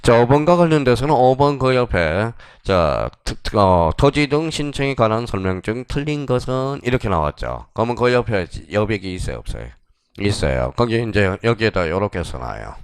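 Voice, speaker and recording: A man lecturing on exam technique in a classroom, quizzing students with quick questions and answering them himself. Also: fairly low pitch, very animated, clear, resonant tone, no room sound, studio quality.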